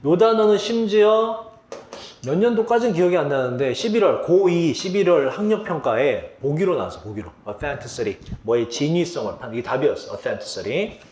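Lively male teacher quizzing vocabulary. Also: a little high, brisk, slight background noise. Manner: quizzing students, answering his own questions. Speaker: English teacher. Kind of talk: exam vocabulary lecture. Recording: echoey room.

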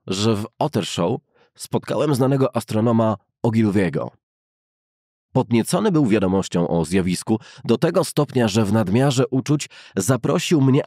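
A man reads a novel aloud as an audiobook narrator. His voice sits fairly low and has a husky grain. The delivery is measured and formal, in a literary storytelling style, captured close and dry with no room sound. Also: a little mellow, no room sound.

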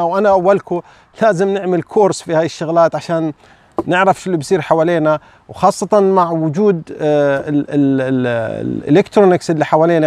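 Vlogger, male, 40s, Levantine accent, higher male voice, animated chat to camera. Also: no echo. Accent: Levantine Arabic. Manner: animated, gesturing with his hands while he talks. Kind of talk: casual talk to camera. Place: backyard garden outdoors.

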